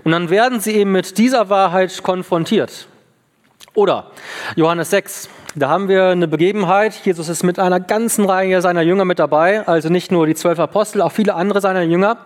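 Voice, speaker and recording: Man, sermon, high voice, earnest, repeats words for emphasis, long hall reverb. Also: a little fast. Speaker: preacher.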